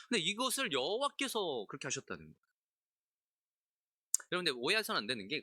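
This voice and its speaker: Lively, bright-voiced man preaching. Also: medium pitch, husky, no room sound, studio quality. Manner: lively, conversational, asks the congregation questions; acts out biblical characters in asides, laughs often. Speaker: pastor. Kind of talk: expository sermon at a midweek service.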